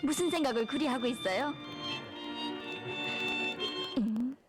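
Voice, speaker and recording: A woman with a North Korean accent acting a bright, teasing young worker in a film drama, in a playful sing-song manner. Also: sits high, measured pace. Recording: loud music behind.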